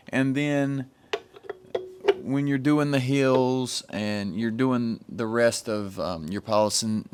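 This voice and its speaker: A man with a rough voice casually explaining his jewelry engraving tools and giving advice to beginners, talking into a microphone. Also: mid-range voice. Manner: meandering, with frequent ums and restarts. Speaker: jewelry engraving hobbyist vlogger. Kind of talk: casual show-and-tell explanation.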